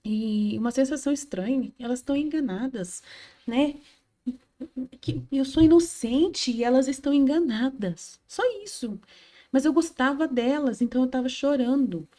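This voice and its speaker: A woman's voice: sits high, normal speed, dark tone. A woman from Brazil giving an emotional personal testimony, earnest and repetitive as she retells a hurtful meeting. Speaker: Catholic study host.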